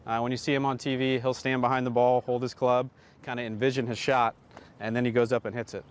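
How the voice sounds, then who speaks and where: A man's voice: mid-range voice, level tone, fast, clear, resonant tone. A man giving golf tips as a club pro in a casual outdoor interview.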